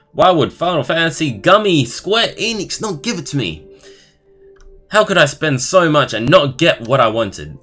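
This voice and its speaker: A man's voice: medium pitch, sharp tone. A man livestreaming, reading aloud expressively with casual asides and commentary of his own. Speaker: streamer.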